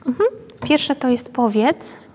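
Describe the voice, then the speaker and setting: High-voiced woman leading a workshop. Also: slow, darkish tone, slightly rough. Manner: chatty, often adds tag questions to check in with listeners. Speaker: pedagogue leading a parenting workshop. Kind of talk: informal workshop talk to a group. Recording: long reverb from a hall.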